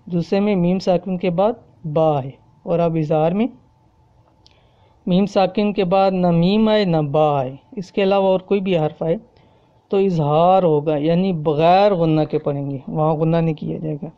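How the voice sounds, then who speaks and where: Through dull audio comes a woman with a lowish voice, teaching the rules of reciting the Quran. Her explanation is patient and repetitive, punctuated by "okay?" to be sure students follow. She recites the Arabic examples slowly, stretching them out, in what is an explanatory tajweed lesson.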